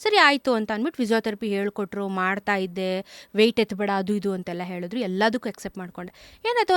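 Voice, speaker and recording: A woman moto vlogger, a guest in an interview, candidly recounting events in casual, animated conversation with vivid detail. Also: on the high side, dry recording.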